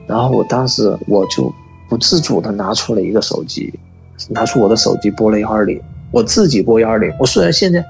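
A man calling in to tell a personal ghost story, talking in a halting, earnest way and often repeating words. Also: on the low side, expressive, gravelly, faint music behind, low-quality recording. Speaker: caller.

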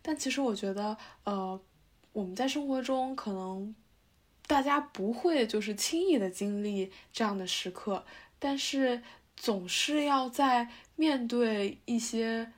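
Higher-pitched woman co-host, quiet reflective commentary. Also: a little slow. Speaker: podcast co-host. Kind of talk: casual chat.

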